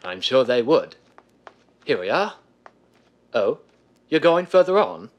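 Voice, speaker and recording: A man's voice: medium pitch, very animated, takes it slowly. An actor playing a genteel, fussy older businessman who speaks formally, in 1930s radio style. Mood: puzzled, polite. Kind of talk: 1930s radio drama acting.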